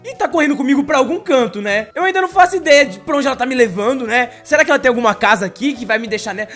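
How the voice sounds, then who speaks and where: A young man with a Brazilian Portuguese accent, giving excited Roblox role-play commentary and reading out other players' chat. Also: extremely high pitch, very fast. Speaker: gaming YouTuber. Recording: faint background music.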